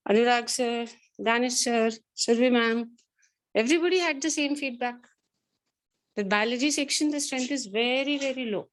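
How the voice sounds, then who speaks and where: A woman with a South Asian accent and a slightly high voice speaks as a teacher to her class. She is earnest and maternal as she admonishes, often repeating her points and mixing Hindi phrases into her English. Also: normal speed. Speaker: biology teacher addressing an online or classroom class. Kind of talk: lecturing and counselling students.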